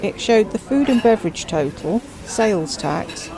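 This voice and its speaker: A woman narrating a storybook in a measured, expressive reading. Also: mid-range voice, gravelly, a crowd in the background. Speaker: audiobook narrator.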